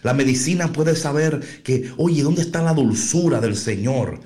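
A man's voice: medium pitch, a little slow, warm tone. Playful preacher man. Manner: playful, folksy, talks straight to listeners. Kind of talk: informal sermon.

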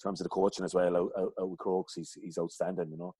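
A middle-aged man from County Clare speaks with a west of Ireland accent. His voice sits on the low side, recorded dry with little room sound. He chats casually and colloquially, wandering through his anecdotes. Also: level tone, fast talker, warm tone, breathy edge, no echo. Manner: colloquial, rambling storytelling. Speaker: interview guest, hurling coach.

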